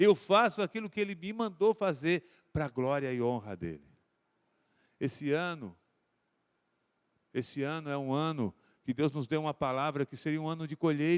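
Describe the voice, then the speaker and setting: Against a silent background on a very clean recording, a man talks at a moderate pace with lively intonation and long, frequent pauses, the sound dry and close with no echo. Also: fairly high pitch for a man. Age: 40s. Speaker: pastor. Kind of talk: sermon. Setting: church. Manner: informal.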